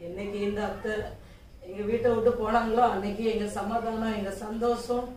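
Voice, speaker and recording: A woman's voice: on the high side, little pitch movement, moderate pace, darkish tone, a little hiss or hum, natural voice. A woman playing a repentant daughter-in-law who earnestly admits her wrongs. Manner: earnest, apologetic. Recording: echoey distant room with music.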